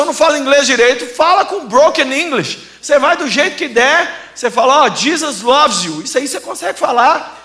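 A man preaching a sermon as pastor, animated and humorous, acting out little dialogues as he tells stories. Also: very high voice. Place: church sanctuary. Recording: echoey church hall.

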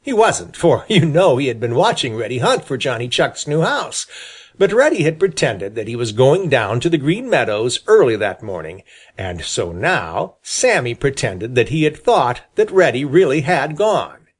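A man narrates a children's storybook with a husky tone. His delivery is expressive, with pitch that rises and falls a lot as he tells the story. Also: normal speed. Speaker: audiobook reader.

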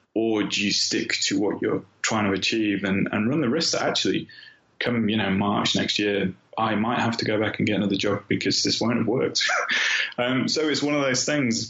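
A man's voice: on the low side, creaky, fairly bright tone. A middle-aged man talking casually as an interview guest, acting out his own thoughts as he tells his story. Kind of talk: casual conversational interview answers. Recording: muffled, roomy, echoing sound.

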